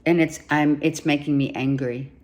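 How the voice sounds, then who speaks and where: A woman giving a monthly tarot reading, emphatic and repeating herself, her voice going hoarse with some coughing. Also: sits low, fairly even intonation, normal speed, a little mellow, slight background noise. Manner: emphatic, repeats herself, talks straight to the viewer. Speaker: tarot reader.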